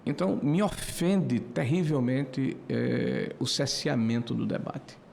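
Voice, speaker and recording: A man in his sixties giving a committee floor speech, hesitant with many filler pauses, building to emphatic indignation. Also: mid-range voice, animated, gravelly, darkish tone, slight background noise. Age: 60s. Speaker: senator. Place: senate committee room.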